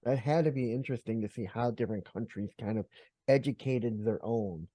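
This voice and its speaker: A man's voice: mid-range voice, brisk, mellow, no room sound. A man hosting a podcast, giving friendly, upbeat welcomes and asking his guest questions. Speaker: podcast host.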